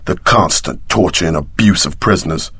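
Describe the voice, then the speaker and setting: An actor voicing a tough, brash ex-security chief with streetwise swagger and a gruff voice in a video game. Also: male voice, low-pitched, normal speed, a bit bright, dry recording, clean studio sound. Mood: grim, vengeful.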